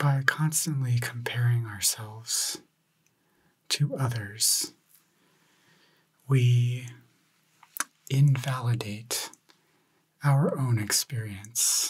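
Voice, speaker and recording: Soft-spoken and somewhat breathy, a man talks very slowly at medium pitch in a calm tone, with long, frequent pauses. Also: fairly even intonation. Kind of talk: ASMR reflective talk. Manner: calm, slow.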